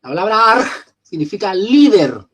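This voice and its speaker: A Chilean man teaching an online theology lecture, often repeating phrases, clearing his throat and putting questions to his students. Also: high voice, very animated, moderate pace, fairly bright tone. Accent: Chilean Spanish.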